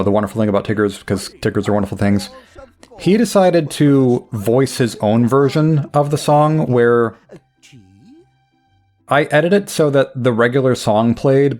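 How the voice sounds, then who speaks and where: A young man rambles through a casual let's play, offering wry, self-deprecating commentary as he plays. His voice is mid-range and a little mellow.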